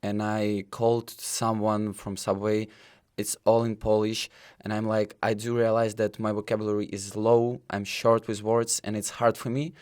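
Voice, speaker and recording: A man's voice: fairly low pitch, darkish tone. A young man from Ukraine, a Ukrainian native speaker and student, answering interview questions earnestly in fairly fluent English. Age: young adult.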